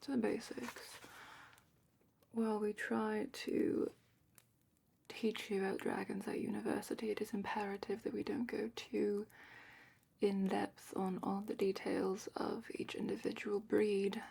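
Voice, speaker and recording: Woman as calm dragon curator for fantasy ASMR: breathy whisper, low-pitched, mellow, thoughtful and measured. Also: full character voice. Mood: gentle, advising. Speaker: ASMR roleplay performer.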